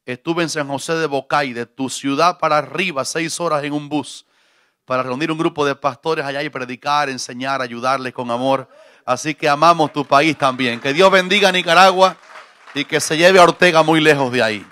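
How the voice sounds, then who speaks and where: Middle-aged pastor, bright crisp preaching voice, warm jokes with the flock, close dry mic. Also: male voice, a little high, normal speed, dry recording. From Cuba. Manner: jovial, preacherly, joking with congregation. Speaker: visiting pastor. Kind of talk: sermon. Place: church. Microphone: handheld mic.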